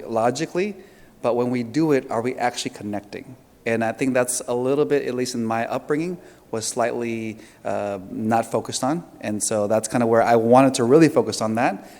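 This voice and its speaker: A man gives a relaxed seminar talk to an audience in a big conference hall, his voice at an ordinary middle pitch. He speaks conversationally, with frequent fillers and restarts. A long reverb trails after his words. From Indonesia. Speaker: seminar presenter.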